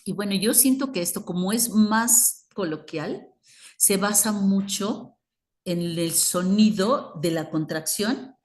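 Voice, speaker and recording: A woman with a Mexican Spanish accent teaches a bilingual English grammar class, explaining patiently and moving between Spanish and English. Her voice is medium in pitch, darkish in tone, and slow-paced.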